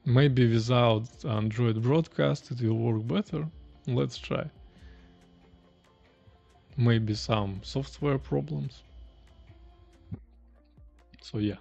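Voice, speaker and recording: A man's voice: mid-range voice, drawn-out words, vocal fry, long pauses, a little mellow, lo-fi sound, soft background music. A man, chatting casually while live-coding and thinking aloud on a stream from a small room. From Russia. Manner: thinking aloud, chatty, reading chat questions. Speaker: streamer, indie developer.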